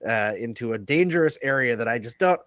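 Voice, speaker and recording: A man's voice: mid-range voice, expressive, brisk, fairly bright tone, dry recording, clean studio sound. A man chatting casually as a sports columnist on a panel. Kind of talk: casual chat.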